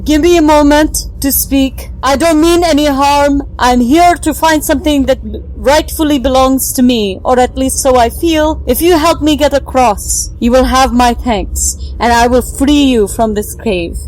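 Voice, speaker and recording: A woman's voice: high-pitched, measured pace, hardly any pauses, a little mellow, slight background noise, pitched above the performer's own voice, rough recording. A woman playing an earnest fighter on a quest in a tabletop game, speaking formally and sincerely as she pleads. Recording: music behind the voice.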